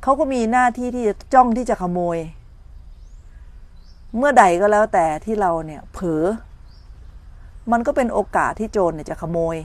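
A woman's voice: mid-range voice, expressive, normal speed, pauses often, no echo. A middle-aged woman meditation teacher giving a morning dharma talk, telling stories and checking that her listeners follow. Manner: storytelling, acts out complaining voices, checks listeners understand.

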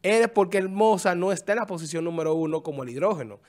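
A man giving casual, animated commentary, explaining things at length and often repeating phrases. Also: high voice, quick pace. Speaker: music commentator.

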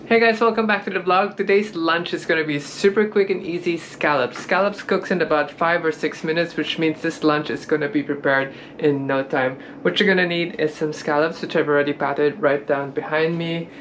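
A woman's voice: low-pitched, steady tone, normal speed, hardly any pauses, slight background noise. A woman casually explaining each step as she cooks lunch in her home kitchen for a vlog. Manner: explains steps plainly, step by step. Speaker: vlogger cooking lunch. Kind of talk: casual cooking vlog voice-over.

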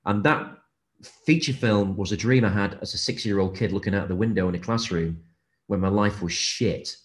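A middle-aged man with a low voice talks as a guest on a video call. He tells his own story casually, leaning on swear words for emphasis. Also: moderate pace. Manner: profane, emphatic. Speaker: interview guest. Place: indoors, plain room. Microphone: video call from a room.

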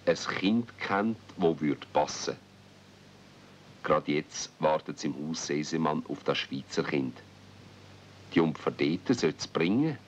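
A man with a Swiss German accent narrating a children's tale in a 1970s dialect radio play. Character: male storyteller of a children's tale. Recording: dull, rumbly, noisy old cassette transfer.

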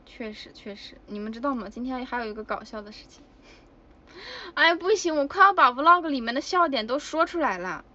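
A woman's voice: high-pitched, lively intonation, brisk, bright, forceful tone, lo-fi sound, slight background noise. A woman chatting casually with fans on a livestream, giggly and exclamatory. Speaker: idol livestreamer. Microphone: phone.

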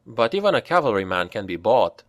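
A man's voice: lowish voice, very animated, fairly quick, no echo. A man voicing a weary male mercenary leader with a dry, sardonic manner. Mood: wry.

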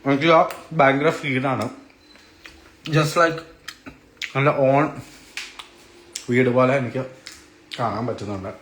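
A man's voice: mid-range voice, takes it slowly, pauses often, fairly bright tone, a little hiss or hum. Chatty young man on a phone live stream. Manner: chatty, teasing, addresses viewers as guys. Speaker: vlogger doing a live stream. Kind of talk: casual live-stream chat. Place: apartment indoors.

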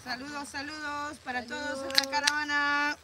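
A woman's voice: sits high, level tone, normal speed, very noisy. A woman chatting casually at an outdoor campsite with a group of people talking around her. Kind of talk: casual chat.

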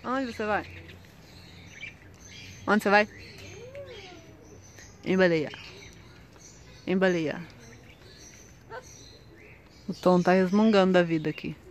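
A woman's voice: on the low side, takes it slowly, long pauses, slight background noise. A woman with a Brazilian Portuguese accent talking to her pet birds on camera, cooing and asking them questions in baby talk. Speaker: bird keeper vlogger.

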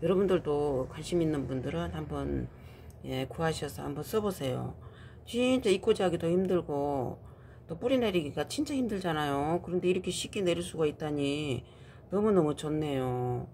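A woman's voice: low-pitched, lively intonation, moderate pace, dark tone, slight background noise. A woman hosting her own plant-care vlog, chatty and often exclaiming in delight. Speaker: channel host.

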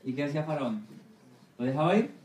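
A missionary pastor giving a Sunday school sermon, often asking the congregation for agreement with amen and right. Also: male voice, a little high, animated, quick pace, a little mellow, recorded from a distance, slight background noise. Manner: asks the congregation for assent, repeating amen and right. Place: church hall. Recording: echoey room, voice from off-mic.

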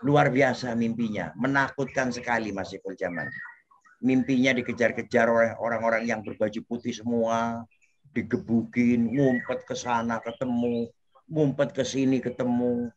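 A man's voice: mid-range voice, steady tone, normal speed. A man, an interview guest, telling his life story with feeling, his voice rising when the story gets tense. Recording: dull lo-fi audio, faint noise.

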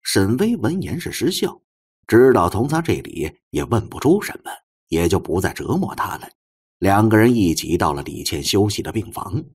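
Deep, animated male audiobook narrator. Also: moderate pace, husky. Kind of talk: scripted storytelling narration.

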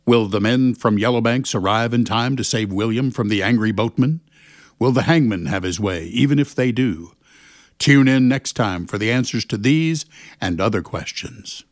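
A man announcing a radio serial from a script in a measured, presentational way. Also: on the low side.

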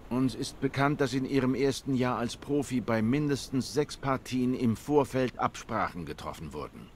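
An actor playing a hard-boiled black cat private detective in a noir game, measured, serious and terse. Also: male voice, mid-range voice, expressive, darkish tone, a little hiss or hum, natural voice. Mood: stern. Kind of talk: cinematic noir game acting.

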